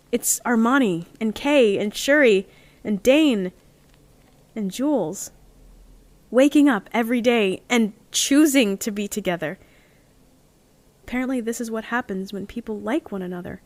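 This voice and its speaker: A fairly high young female voice, recorded close and dry. She is an earnest, lovestruck heist-crew member in an audio drama. Her delivery is heartfelt and confessional, laying her feelings bare. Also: no room sound. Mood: wistful, hopeful. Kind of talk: audio drama monologue and dialogue.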